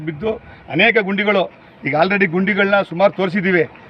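A man with a high pitch is talking. Noticeable background noise can be heard. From Karnataka, Srirangapatna taluk (Mandya district). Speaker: farmers' association leader. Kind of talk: protest statement to press. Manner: halting.

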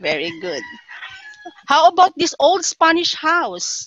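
Speaking at a fairly slow pace with a Filipino accent, a woman is heard over a quiet background in dry sound with no echo. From Philippines. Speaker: teacher. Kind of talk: online class lecture. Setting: online class. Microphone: webcam.

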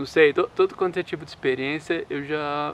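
With light background noise and a dry sound with no echo, a man speaks at a fairly high pitch. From Brazil. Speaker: former exchange student. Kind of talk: testimony. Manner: casual, halting with repetitions. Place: open country.

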